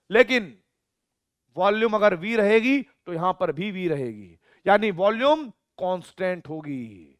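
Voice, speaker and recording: A high-pitched man with a clean, resonant voice teaches physics to exam students. He teases with rhetorical questions and answers them himself, then dictates definitions word by word. The sound is close and dry, with no room around it. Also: clear, resonant tone, dry recording. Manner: swings between loud calls and soft asides. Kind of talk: exam-prep lecture.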